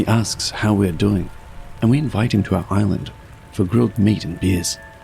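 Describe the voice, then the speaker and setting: A man's fairly low voice at a moderate pace, ordinary pitch variation, music in the background. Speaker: storyteller narrator. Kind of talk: ghost story narration.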